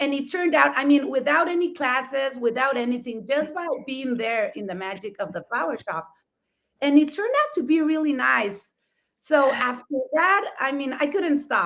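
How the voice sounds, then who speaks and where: This woman speaks at a moderate pace with a high pitch and lively intonation. She has a Mexican accent. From Mexico. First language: Spanish. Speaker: florist and flower workshop teacher. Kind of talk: casual chat.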